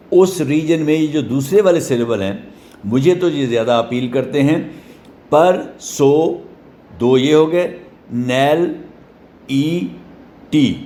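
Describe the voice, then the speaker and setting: A man teaching a class, spelling words out slowly letter by letter and checking in with short questions. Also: mid-range voice, darkish tone. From Pakistan. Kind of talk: classroom lesson explaining English syllables.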